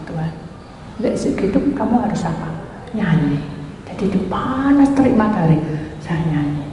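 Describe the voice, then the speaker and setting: A woman pastor preaches, telling her story with animated, acted-out dialogue. Her voice rings through a very echoey hall with a long reverb tail. Faint room noise sits behind her. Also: mid-range voice, lo-fi sound. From Indonesia. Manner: animated storytelling, acts out quoted dialogue, mixes in Javanese. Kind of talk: sermon.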